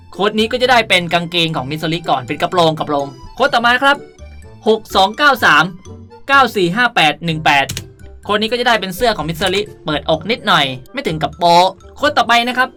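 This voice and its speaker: A woman's voice: medium pitch, pushed and bright. A woman talks through a game tutorial as its host. Her delivery is casual and playful, with cutesy endings to her sentences. Music runs behind her voice. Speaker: gaming video host. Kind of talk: casual game tutorial commentary, reading out item codes. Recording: music under the voice. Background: background music.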